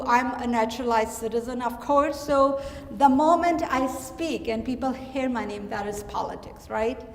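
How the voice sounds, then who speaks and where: A middle-aged woman from Pakistan with a Pakistani accent, an artist giving a reflective, halting gallery talk about her work. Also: sits high. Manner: reflective, halting with frequent fillers. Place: gallery hall. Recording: echoey gallery hall.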